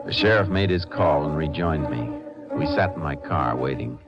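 Low-voiced, laconic Texas Ranger. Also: male voice, expressive, loud music behind the voice. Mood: measured narration. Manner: laconic, folksy, unhurried authority. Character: steady, shrewd male Texas Ranger investigator. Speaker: lead actor and narrator. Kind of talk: 1950s radio drama acting. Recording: noisy vintage radio recording.

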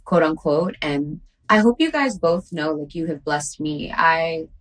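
A woman's voice: deep voice, expressive, measured pace, rough recording. A woman hosting a casual chat, talking in an earnest, reflective way with many "like" fillers.

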